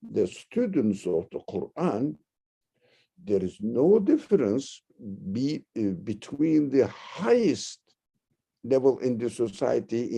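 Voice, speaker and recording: A man from Turkey, teaching religion in a discussion, halting and searching for words, then rising sharply to stress key points. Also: medium pitch, gravelly, warm tone, slightly rough. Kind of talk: lecture-style discussion.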